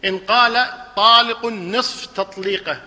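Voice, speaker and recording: A man gives a religious lesson in a high, very bright voice. He keeps the class engaged, asking questions and answering them himself. The sound carries a long reverb, as in a large hall. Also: moderate pace. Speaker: Islamic scholar teaching a lesson. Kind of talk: religious lesson, explaining a text.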